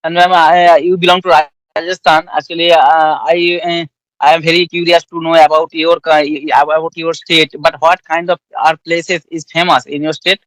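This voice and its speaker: Man, Indian accent, slightly high voice, dry sound, polite halting questions. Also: little pitch movement, fairly bright tone, dry recording, rough recording. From West Bengal, India. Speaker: conversation partner asking questions. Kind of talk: English speaking practice call. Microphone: online call.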